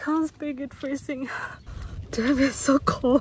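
Loud background noise around a woman's dry voice with no echo. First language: not English. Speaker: working holiday farm worker. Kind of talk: casual vlog talk to camera. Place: street. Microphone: phone near.

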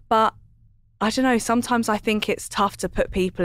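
Talking very fast in an English accent, a woman comes through dry, with no echo at all. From England. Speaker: social media personality and podcast host; podcast host. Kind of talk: casual chat. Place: studio. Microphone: studio mic.

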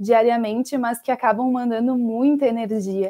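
Against a quiet background, a woman's dark, mellow voice, fairly high in pitch, fairly slow and in a monotone, flat intonation. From Rio Grande do Sul, Brazil. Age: 20s. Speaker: physiotherapist, beauty pageant candidate; candidate. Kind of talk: live interview. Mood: warm, emotional, smiling. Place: home room. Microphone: video call.

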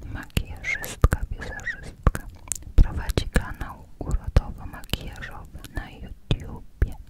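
Someone is whispering, soft-spoken. The pace is very slow. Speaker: catalog reader. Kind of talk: reading product descriptions and prices aloud. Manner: soft ASMR whisper reading leaflet.

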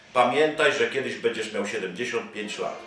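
A man speaks at a very slow pace, with audible room echo around his voice. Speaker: legal advisor. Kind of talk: interview. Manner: indignant. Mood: indignant, critical. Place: office.

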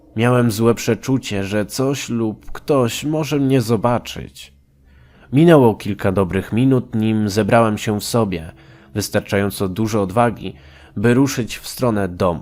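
A man's unremarkable speaking voice, fairly slow, with ordinary pitch variation. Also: medium pitch for a man. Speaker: creepypasta narrator. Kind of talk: ghost story telling, first-person horror narration. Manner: hushed, slow, suspenseful; tense, building dread.

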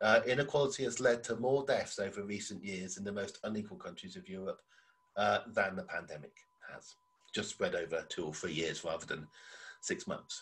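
Talking at a fairly quick pace, a man has an English accent. His loudness swings widely. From England. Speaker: academic presenter. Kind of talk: lecture. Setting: video call. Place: home room. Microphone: webcam.

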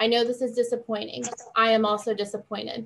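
A woman's monotone, flat delivery at a fairly quick pace. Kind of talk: formal announcement. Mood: serious, somewhat regretful. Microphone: video call.

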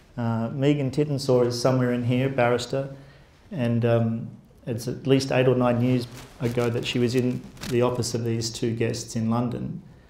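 A man with an Australian accent speaks at a moderate pace in a dark, mellow tone, his intonation fairly even, with audible room echo. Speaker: lawyer. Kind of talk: onstage interview. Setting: stage with audience. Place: hall. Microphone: handheld.

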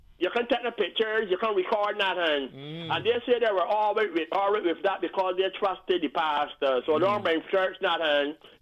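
A high-pitched man talks at a fairly quick pace with hardly any pauses. His loudness is very even, and his pitch variation is ordinary. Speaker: comedic co-host. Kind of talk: casual comedic chat.

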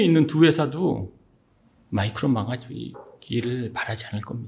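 Vocal fry colors the voice of a man speaking at a fairly slow pace. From South Korea. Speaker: retired semiconductor executive and former professor; guest. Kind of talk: interview. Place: studio. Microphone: studio mic.

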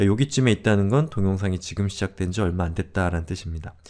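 A man with a dark, mellow tone at a very fast pace, ordinary pitch variation, on a very clean recording with a silent background. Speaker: online computer instructor. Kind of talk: tutorial.

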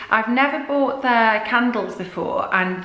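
A woman speaks at a moderate pace with ordinary pitch variation. Audible room echo is present. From England. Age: 30s. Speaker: family and food vlogger. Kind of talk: casual vlog monologue. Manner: chatty, filler-heavy. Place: home room. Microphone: phone near.

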